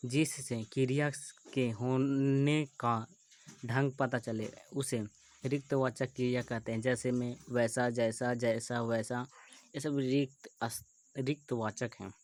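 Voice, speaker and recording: A man explains grammar rules at an unhurried pace, repeating each term and example as he goes. His voice stays flat, with little rise or fall. The recording is dry and close, with no room sound. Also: mid-range voice, dry recording. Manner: repeats terms and examples slowly, thinking aloud. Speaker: teacher. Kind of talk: Hindi grammar lesson over screen recording.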